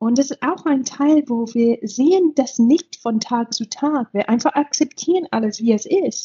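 Speaking at a fairly slow pace with an English accent, a woman uses a high pitch and lively intonation. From England. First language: English (speaking German). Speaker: life coach. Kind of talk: casual interview. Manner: halting.

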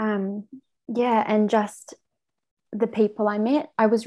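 In a New Zealand accent, a woman speaks at a fairly slow pace with a dark, mellow tone. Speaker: poet and self-published author. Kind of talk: interview conversation.

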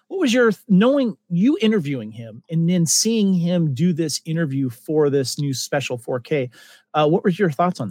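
Very wide pitch swings at a moderate pace. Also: man, high pitch for a man, dry, close sound with no echo. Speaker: podcast host. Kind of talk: casual chat.

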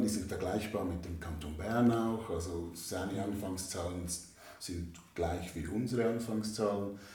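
A very slow pace, with audible room echo and noticeable background noise. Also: man. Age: 40s. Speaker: parenting counsellor for fathers. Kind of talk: interview. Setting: on location at an association office.

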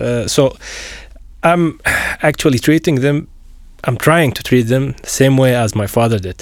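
A man with an Arabic accent speaks at a fairly slow pace, with long, frequent pauses and ordinary pitch variation. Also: medium pitch for a man. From Syria. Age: 40s. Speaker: vascular surgeon. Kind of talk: interview. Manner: halting.

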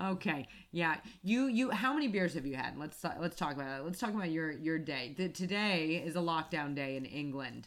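At a moderate pace, a woman talks in a normal speaking voice with a fairly low pitch and lively intonation. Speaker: podcast co-host. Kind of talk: casual chat. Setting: home recording in London apartment. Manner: rambling, talkative.

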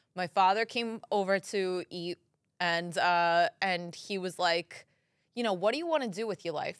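With a Brooklyn accent, a woman speaks at a medium pitch with ordinary pitch variation, the sound dry and close with no echo on a very clean recording with a silent background. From Brooklyn, New York. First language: Italian. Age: 30s. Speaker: cooking show host and author. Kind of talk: casual interview chat. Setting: studio.

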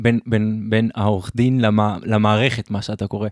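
The man has an unremarkable speaking voice at a medium pitch, recorded with a dry, close sound and no echo. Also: very clean recording, silent background. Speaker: podcast host. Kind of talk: casual chat.

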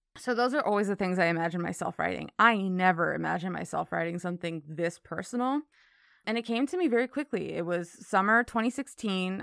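A woman's ordinary speaking voice with an American accent, medium pitch, ordinary pitch variation and a fairly quick pace, in a dry, close sound with no echo and a very clean recording over a silent background. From Miami, Florida. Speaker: author and illustrator. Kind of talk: interview.

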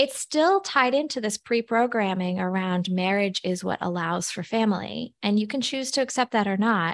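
A woman with an ordinary speaking voice at medium pitch, moderate pace, ordinary pitch variation, and hardly any pauses, in a dry, close sound with no echo against a quiet background. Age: 40s. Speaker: finance professional and podcast host, solo parent. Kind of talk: interview conversation.

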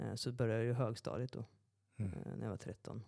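With a dark, mellow tone and vocal fry, a man at medium pitch talks at a moderate pace using lively intonation. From Sweden, Gamleby near Västervik. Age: 30s. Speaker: podcast guest sharing life story. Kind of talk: personal testimony in casual conversation.

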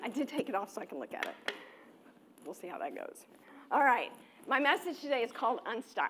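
Pitched high, a woman speaks with lively intonation, big swings in loudness, and long, frequent pauses. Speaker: guest preacher. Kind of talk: sermon. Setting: church stage with mic.

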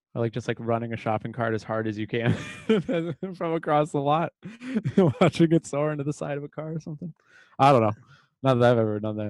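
Mumbling at a fairly quick pace, a man with a medium pitch and lively intonation sounds dry and close, with no echo. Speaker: podcast co-host. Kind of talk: casual chat.

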